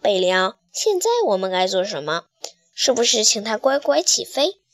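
A woman's voice: mid-range voice, expressive, normal speed, dry recording, studio quality, natural voice. A woman voicing a curious little farmyard chick asking questions.

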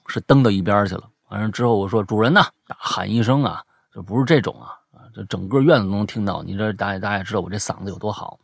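A man hosting a casual chat show, telling stories in an animated, emphatic way. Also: fairly low pitch, gravelly, husky, dry recording, studio quality.

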